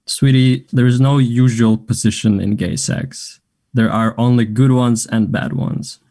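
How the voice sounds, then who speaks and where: A man's voice: medium pitch, steady tone, measured pace, warm tone, close to an everyday voice. A man acting a flirtatious, self-assured gay man in a naturalistic table read of a play, chatty and teasing. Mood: flirtatious, confident.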